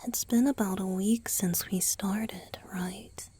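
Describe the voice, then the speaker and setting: A woman playing a gentle, doting young male vampire boyfriend in a romantic ASMR roleplay, speaking softly and tenderly, mostly in a breathy whisper. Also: mid-range voice, fairly even intonation, slow. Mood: tender, apologetic. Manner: tender, attentive, softly reassuring.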